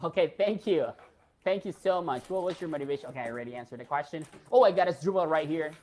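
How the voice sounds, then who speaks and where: A young man from Peru with a Peruvian Spanish accent, hosting a casual live stream and chatting in a relaxed way with many fillers. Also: a little high, fast talker.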